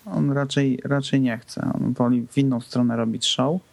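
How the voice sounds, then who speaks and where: A man's voice: medium pitch, fairly even intonation, moderate pace, creaky, darkish tone. A man co-hosting a podcast in casual, laid-back conversation. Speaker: podcast co-host. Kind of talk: casual chat.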